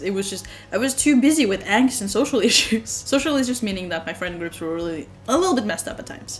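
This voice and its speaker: A woman talks very fast with a Norwegian accent. Her medium-pitched voice has lively intonation. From Norway. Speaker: YouTuber. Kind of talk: casual video diary. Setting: at home. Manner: casual, hesitant with fillers.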